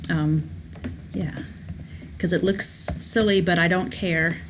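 A woman's voice: fairly low pitch, steady tone, takes it slowly, background noise. A woman chatting her way through a story game at home, reading the text aloud and gushing about it. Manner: chatty, enthusiastic, giggly, with restarts. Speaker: let's play host. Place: home, at a laptop.

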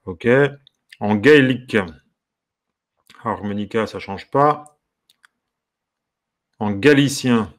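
A harmonica teacher muses aloud as he browses, amused and curious, with gentle exclamations in casual commentary. He speaks slowly in a lowish voice, leaving long pauses.

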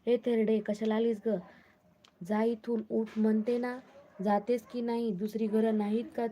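A haughty, scornful queen from a spoken folk tale, as a woman narrator puts her on, barking short orders. Her voice stays flat and dark, with little rise and fall. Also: a little high, a little slow, close to an everyday voice. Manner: shouts orders.

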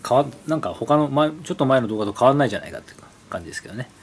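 A man's voice: mid-range voice, lively intonation, slight background noise. A man hosting his motorcycle channel, chatting casually and rambling as he leafs through an old brochure, asking the viewer questions. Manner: reads brochure copy aloud slowly.

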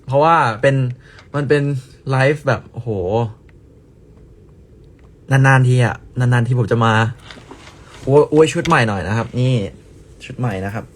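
A man's voice: mid-range voice, measured pace, pauses often, slight background noise. A young man chatting casually with viewers on a phone livestream, playful and repetitive, dropping in bits of other languages. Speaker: livestream host. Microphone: phone held close.

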